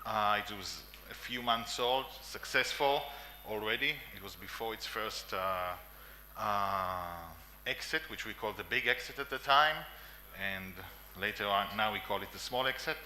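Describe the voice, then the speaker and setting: The voice is lowish, pushed, and bright, moving at a moderate pace, belonging to an Israeli-accented man in his forties speaking at a conference in a meeting room. Emphatic, he repeats lists and frequently coughs and uses fillers, with a little hiss or hum in the background.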